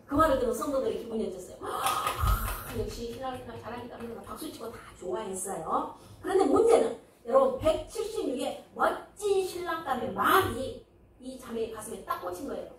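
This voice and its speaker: Woman pastor, high voice, chatty sermon full of rhetorical questions, recorded from afar in a reverberant sanctuary. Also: very animated, fairly quick, slight background noise. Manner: conversational preaching with rhetorical questions and acted quotes. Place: church sanctuary. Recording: echoey church hall, mic at a distance.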